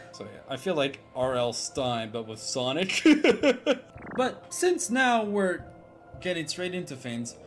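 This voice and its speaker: A young man hosting his channel in casual chat, rambling and giggling, swinging from quiet mumbles to loud outbursts. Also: mid-range voice. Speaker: channel host. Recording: faint music in the background.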